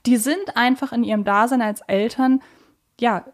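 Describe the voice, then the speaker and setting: A woman's voice: fairly high pitch, fairly even intonation, normal speed. Woman co-hosting a conversational podcast. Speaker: podcast co-host.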